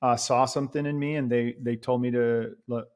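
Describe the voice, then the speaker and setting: A man in his forties from Venezuela, telling stories in a relaxed, casual way with lots of fillers, close on a boom mic in a studio. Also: brisk. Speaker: podcast host and guest. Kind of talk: casual interview chat. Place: studio with a bright neon sign on a plain wall.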